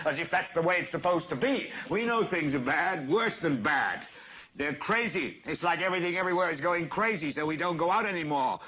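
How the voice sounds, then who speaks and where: A man playing an older TV news anchor who rants on air, impassioned and building to shouts. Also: medium pitch, slight background noise, lightly acted, poor audio. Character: furious older male TV anchor, fed up. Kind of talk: film drama acting.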